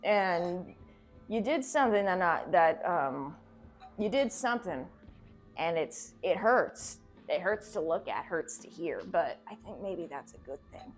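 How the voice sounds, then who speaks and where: Expressive and on the low side, a woman video essay host speaks at a measured pace. She jokes casually with sarcasm, profanity, irreverence and a theatrical touch while music runs in the background.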